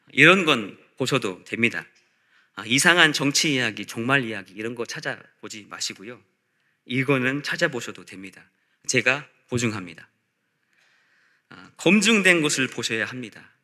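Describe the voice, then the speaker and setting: Piercingly bright-voiced man preaching. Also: medium pitch. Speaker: pastor. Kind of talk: sermon. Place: church service.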